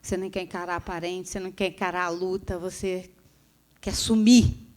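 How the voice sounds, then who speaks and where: A woman's voice: fairly low pitch, fairly even intonation, brisk, darkish tone. A middle-aged woman, giving a religious testimony to an audience and telling her story vividly with acted-out dialogue. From Rio de Janeiro, Brazil. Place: restaurant event hall.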